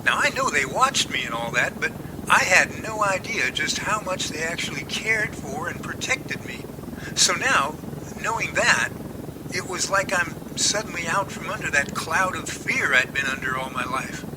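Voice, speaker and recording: A man's voice: a little high, lively intonation, normal speed, noisy background, lightly acted. A man in an amateur audio drama playing an easygoing, newly confident man in love, earnest and plain-spoken.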